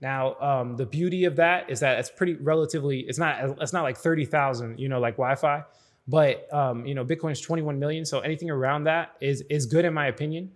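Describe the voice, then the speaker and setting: A man's voice: fairly high pitch, fairly quick. A man hosting an explainer video in casual commentary, speaking informally and straight to the viewer with frequent check-in tags. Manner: informal, addresses viewers directly, checks in with "right?". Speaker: host of a crypto explainer video.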